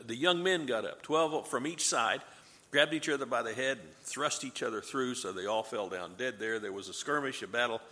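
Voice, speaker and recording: A man's voice: medium pitch, sharp tone, long reverb tail. A man teaching a Bible class review. He asks the class questions, answers them himself, and adds light joking asides.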